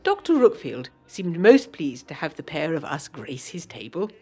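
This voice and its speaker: Genteel low-voiced 1920s Englishwoman. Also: sing-song, moderate pace, darkish tone, slightly rough, full character voice. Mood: chatty, delighted. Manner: prim, articulate, period turns of phrase. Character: genteel, lively 1920s Englishwoman writing letters to John. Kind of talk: scripted audio drama letter narration.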